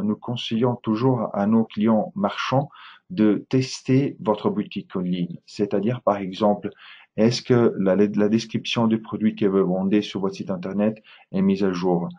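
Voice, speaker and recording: A man's voice: lowish voice, fairly even intonation, measured pace, dark tone, breathy edge, highs cut off. A man from Italy speaking French with an Italian accent, giving a webinar presentation, hesitant with many fillers and restarts.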